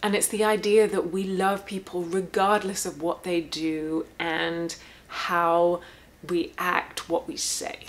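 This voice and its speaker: A woman with a slightly low voice talks through her thoughts at home in a loose, wandering way. She speaks as a therapist, candid and reflective, now and then dropping a dry sarcastic aside. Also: level tone, slow pace. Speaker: therapist and channel host. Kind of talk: casual reflective monologue. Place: home room.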